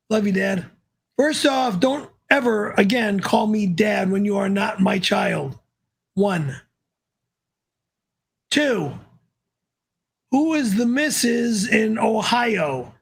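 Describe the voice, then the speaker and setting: High, gravelly, cursing man. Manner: indignant, swearing outbursts. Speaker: livestream host. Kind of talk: profane live-stream banter.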